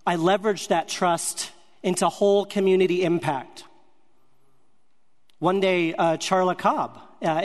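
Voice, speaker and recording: A man's voice: high voice, long reverb tail. A man telling a personal faith story as a sermon, earnest and speaking in short broken-up phrases. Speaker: speaker sharing a ministry testimony.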